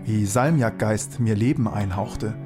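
A man from Germany narrating a radio documentary in a calm, reflective way. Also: lowish voice, a little slow. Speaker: author and narrator. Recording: narration over guitar music.

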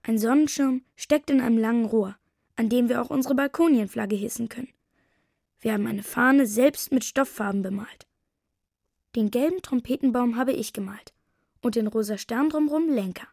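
A woman's voice: a little high, moderate pace, creaky, warm tone, no room sound, clean studio sound. A woman narrating as a boy of nearly eight. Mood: cheerful. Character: boy Pontus, almost eight, lively. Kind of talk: first-person storybook narration.

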